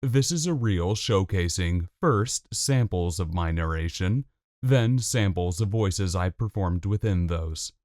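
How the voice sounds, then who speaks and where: A man narrating scripted fiction in a measured way, with dramatic pauses. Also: low-pitched, lively intonation, a little mellow, no room sound, studio quality. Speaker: writer and narrator.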